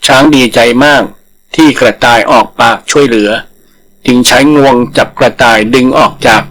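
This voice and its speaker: A man's voice: mid-range voice, normal speed, fairly bright tone, poor audio. A man reading a scripted folktale as a storyteller.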